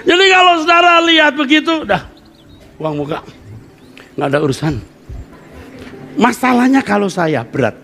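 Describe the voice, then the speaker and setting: Animated older male preacher. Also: very high-pitched, moderate pace, gravelly, long pauses, slight background noise. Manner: animated, joking with the congregation, acting out quotes. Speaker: pastor. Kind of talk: sermon. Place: church service.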